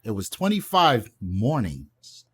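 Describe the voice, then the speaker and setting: Animated middle-aged man, slangy talk. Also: lowish voice, slow, slightly rough. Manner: slangy, profane. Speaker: podcast co-host. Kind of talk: casual chat, reminiscing.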